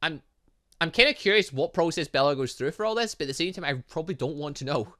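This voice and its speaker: Bright-voiced, animated man commentating a game. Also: on the high side, fast. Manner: animated, thinking aloud. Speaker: gaming video host. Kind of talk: let's play commentary, reading visual novel dialogue aloud.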